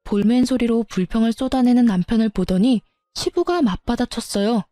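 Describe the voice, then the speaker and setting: A woman's voice: fairly high pitch, fairly quick, warm tone, dry recording. A woman narrating a true-life story in an indignant, colloquial storytelling manner.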